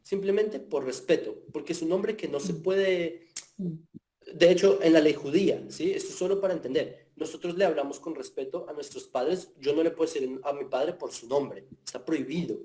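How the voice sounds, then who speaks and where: A man gives an online class and answers questions, explaining patiently and often asking if he is followed. His voice sits a little high with a warm, mellow tone. The sound comes over a video call. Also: normal speed. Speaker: teacher of Jewish philosophy.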